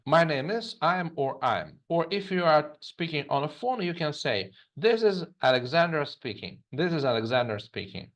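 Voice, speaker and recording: A man from Germany, an English teacher, narrating a scripted lesson and reading example phrases slowly and twice. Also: fairly high pitch. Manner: reads example phrases slowly and repeats them.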